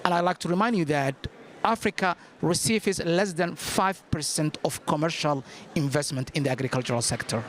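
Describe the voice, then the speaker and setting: A man from Somalia with a slightly high voice speaks off the cuff on a policy panel. He is emphatic and orderly, numbering his points and repeating key phrases. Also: moderate pace, a bit bright. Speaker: government policy director, panelist. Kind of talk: extemporaneous panel remarks.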